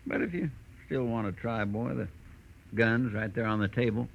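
A man's voice: mid-range voice, moderate pace, gravelly. An American man playing a huge, smug underworld tough in a 1940s radio crime drama, with a drawling, mock-friendly, chuckling manner. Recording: dull vintage radio recording.

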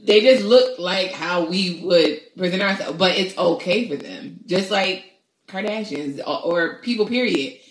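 A woman's voice: lowish voice, lively intonation, measured pace. A woman with an African American accent speaking in an outspoken, conversational way in a casual group discussion. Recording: roomy echo.

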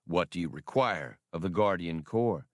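An ancient war robot commander played by a male audiobook reader intones in a deep, resonant voice. The delivery is rigid, formal and without emotion, all military precision. The sound is close and dry. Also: animated, moderate pace, no echo. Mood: cold, formal.

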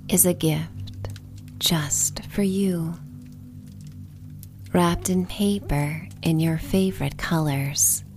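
A woman reads a sleep story at an extremely slow, unhurried pace. Her voice is fairly low and breathy, close to a whisper. She leaves gentle pauses between phrases, with music playing behind her. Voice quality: soft, breathy, half-whispered. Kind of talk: sleep story narration, scripted and soothing.

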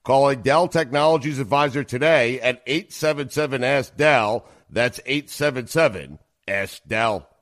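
A man reading a sponsor ad on a sports radio show in a smooth, steady delivery. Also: medium pitch, a little slow. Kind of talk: read ad spot.

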